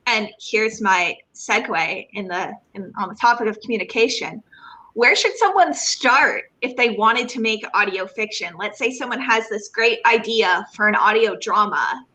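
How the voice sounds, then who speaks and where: A woman casually moderating a panel, lively and questioning, with some background noise. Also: mid-range voice, rough recording.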